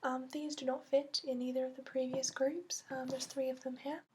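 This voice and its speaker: A woman with a high, soft voice that often slips toward a whisper, performing an ASMR roleplay in a put-on accent. She explains things gently and haltingly, pausing often like a patient guide. A noticeable faint hiss sits under the recording. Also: flat delivery. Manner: gentle, halting, unhurried explaining with many pauses. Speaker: ASMR roleplay host playing a dragon expert.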